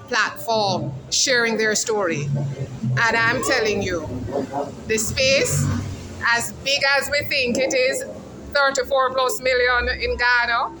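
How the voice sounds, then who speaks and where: A woman's voice: fairly high pitch, rough recording. A woman hosting a casual outdoor interview vlog, chatty and calling her viewers "guys". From Jamaica. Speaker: host. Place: outdoors at a mall food court.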